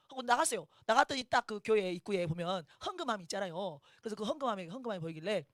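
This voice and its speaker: A middle-aged woman pastor preaches in a high, quick voice. She tells her story in a lively way and acts out each quoted voice. The sound is close and dry. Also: dry recording. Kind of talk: sermon with personal testimony.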